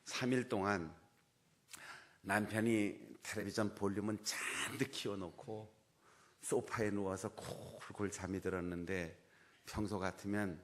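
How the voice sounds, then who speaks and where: A male pastor delivers a sermon in a fairly low voice. He tells it as a story and acts out the quoted dialogue. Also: steady tone, unhurried.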